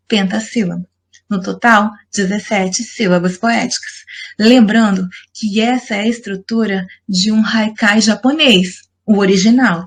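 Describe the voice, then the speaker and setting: A woman teaching an online class. She talks patiently and step by step, and often asks the students questions. Her voice sits in an average pitch range. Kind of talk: recorded online lesson.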